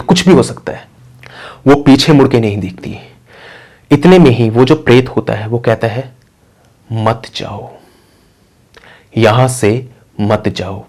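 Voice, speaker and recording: A man telling a real-life horror story in a low-key storytelling manner. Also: darkish tone. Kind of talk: storytelling narration.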